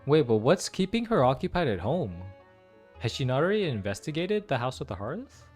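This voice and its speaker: A young man giving casual, slangy play-through reactions as an excitable gaming fan. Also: medium pitch, brisk. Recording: game music behind voice.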